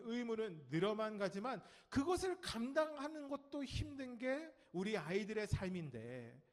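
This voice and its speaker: A Korean man preaching a Sunday sermon, telling stories and speaking straight to the congregation, his sentence endings trailing off soft and low. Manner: lively storytelling with acted quotes of nagging adults; talks directly to the congregation and children. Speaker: pastor. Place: church sanctuary.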